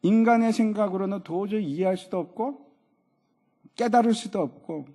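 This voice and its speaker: Male pastor, high husky voice, emphatic sermon delivery in a church. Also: normal speed, dark tone. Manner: preaching with emphatic rises and voiced quotes. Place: church sanctuary.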